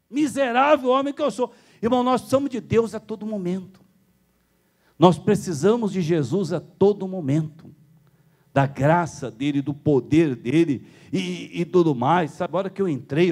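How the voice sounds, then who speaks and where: Speaking with a husky voice and a Brazilian Portuguese accent, a pastor delivers a church sermon full of stories. He chuckles as he goes, and excitement sends his voice leaping upward.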